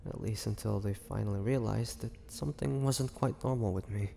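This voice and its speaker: A man playing an ancient, gentle and wistful male vampire in an intimate audio roleplay, speaking haltingly with measured pauses. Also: on the low side, gravelly, a little hiss or hum. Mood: earnest, pleading.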